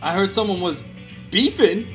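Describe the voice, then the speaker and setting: A man's voice: high voice, lively intonation, moderate pace. A young man chatting casually, joking and drifting off on silly tangents. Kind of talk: casual streaming chat. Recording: guitar music clearly behind the voice.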